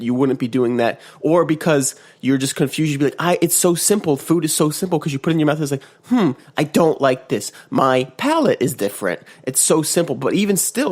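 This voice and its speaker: A man hosting a casual motivational podcast, just woken up and congested, rambling with restarts and acting out quotes in a higher voice. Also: a little mellow. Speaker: podcast host. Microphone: podcast mic.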